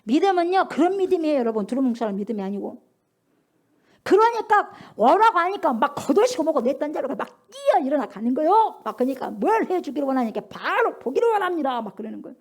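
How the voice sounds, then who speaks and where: A high-pitched woman pastor delivers a fervent sermon in a church. She stresses her points hard, rising to loud calls and dropping to near whispers. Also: very animated, fast. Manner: emphatic preaching, swings from loud calls to whispers. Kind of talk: sermon at a Friday prayer meeting. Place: church sanctuary.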